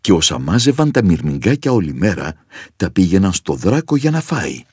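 Deep male narrator for a kids' storybook, animated and expressive. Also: breathy edge, dry recording, clean studio sound.

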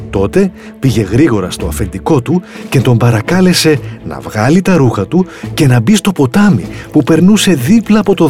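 Male storybook narrator, expressive delivery, faint music under him. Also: fairly high pitch. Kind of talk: storybook reading.

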